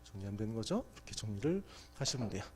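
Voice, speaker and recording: A man's voice: fairly low pitch, very animated, rapid-fire, darkish tone, slight background noise. A middle-aged man giving an exam prep law lecture, quizzing students and answering his own questions.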